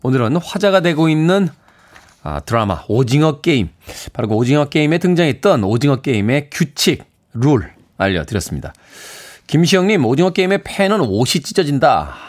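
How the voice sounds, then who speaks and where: A man hosting a radio show, chatting, reading listener messages and plugging events with self-mocking humor. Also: mid-range voice. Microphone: studio microphone.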